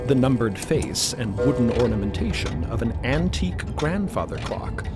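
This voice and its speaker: Guy narrating an audio drama, deliberate and dramatic, music bed behind him. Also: medium pitch, very animated.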